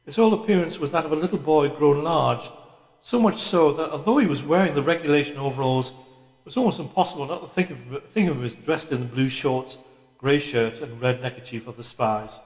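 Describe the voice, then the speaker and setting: A man reading a literary audiobook as scripted narration, with measured, deliberate phrasing. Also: fairly high pitch, a little mellow. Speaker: audiobook reader. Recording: echoey room with long reverb.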